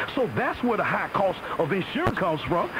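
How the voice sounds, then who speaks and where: Dry, echo-free sound with very wide pitch swings and noticeable background noise. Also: man. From US South, Atlanta, Georgia. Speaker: radio talk show host. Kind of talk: call-in radio debate. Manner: animated. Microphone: phone line.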